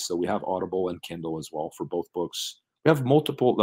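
Against a quiet background, a man talks at a fairly quick pace in a very deep, low pitch. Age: 40s. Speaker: podcast guest. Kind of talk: casual interview. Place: home room.

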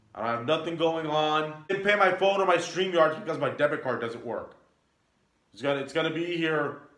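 The recording has audible room echo. The background is quiet. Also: man. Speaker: livestreamer. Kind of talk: casual livestream rant. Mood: agitated, ranting. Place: home room. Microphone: camera far.

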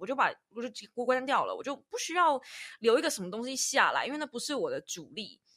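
A woman talks at a fairly quick clip in a bright, sharp tone on a very clean recording with a silent background. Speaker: book-review YouTuber. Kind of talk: casual interview. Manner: chatty, talkative.

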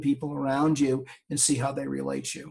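Against a quiet background, a man with a fairly high pitch and an unremarkable speaking voice talks at a fairly quick pace. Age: 60s. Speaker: author and former business professor; guest. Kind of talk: panel interview. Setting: video call. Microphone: video call.

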